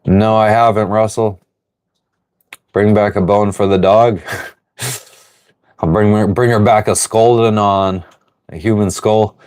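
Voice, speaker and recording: A man hosting a casual livestream from his sailboat, reading viewer comments aloud and rambling through relaxed answers. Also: lowish voice, slow, long pauses, smooth. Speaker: livestream host answering chat. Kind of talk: casual live chat. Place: on board a sailboat.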